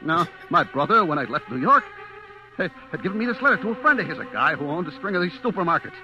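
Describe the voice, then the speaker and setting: An actor playing a desperate supermarket clerk trapped in the dark, confessing in halting, stammering old-time radio suspense style on a vintage recording. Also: male voice, fairly high pitch, sing-song, dull audio, faint music behind, exaggerated voice. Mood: nervous, recounting. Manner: breathless, halting, stammering narration with repetitions.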